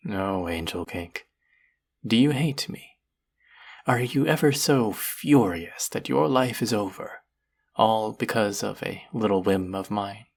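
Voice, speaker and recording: A performer playing a gloating, sadistic sorcerer in a roleplay audio drama, cooing over a captive pet in mock-sweet baby talk with a breathy, gravelly voice. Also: medium pitch, takes it slowly, heavily acted. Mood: taunting.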